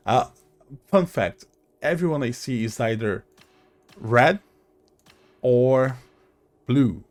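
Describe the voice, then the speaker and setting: A man giving casual video game commentary as host, halting and thinking aloud as he goes. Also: medium pitch, animated, darkish tone.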